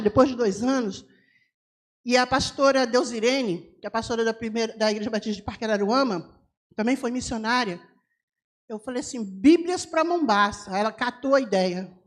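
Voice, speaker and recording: A woman missionary speaking in a church service, telling her story with lively voice imitations. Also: on the high side, fairly quick. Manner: animated storyteller, mimics voices of locals. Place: church sanctuary.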